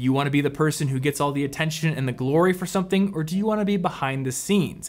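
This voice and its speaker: With music in the background, a man with an American accent talks very fast at a fairly high pitch with lively intonation. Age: 20s. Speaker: YouTuber. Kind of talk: scripted narration.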